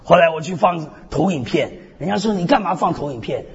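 This energetic sermon comes from a male pastor resident in North America, whose voice is a little high, brisk, and gravelly. He peppers his humorous, self-deprecating stories with call-and-response hallelujahs, preaching animatedly over crowd noise in a dull hall that carries a long reverb.

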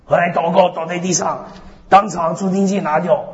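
A man preaching a sermon with lively storytelling, repeating "hallelujah, amen" again and again, swinging between loud and soft. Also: sits high, normal speed. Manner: peppers speech with "hallelujah, amen" refrains. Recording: echoey hall, dull lo-fi sound.

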